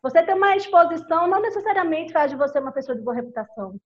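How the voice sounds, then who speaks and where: A woman speaks in a high voice with a Brazilian Portuguese accent. She talks conversationally, as in a discussion among peers, sharing personal stories. The recording is a little dull and lo-fi. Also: expressive, very fast.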